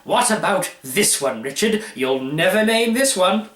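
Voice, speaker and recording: A man's voice: sits high, animated, measured pace, a bit bright, reverberant, voice pushed up. A man voicing a cheerful, boastful newly rich dinner host in a storybook reading, eager and showy as he goads a guest. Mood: goading.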